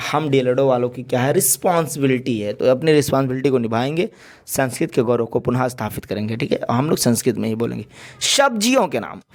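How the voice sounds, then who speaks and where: Guy teaching vocab for an exam, keeps checking "ok?", jokey, middle pitch. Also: darkish tone. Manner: repetitive drilling, frequent "theek hai" check-ins; playful, jokey examples. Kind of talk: exam-prep lesson.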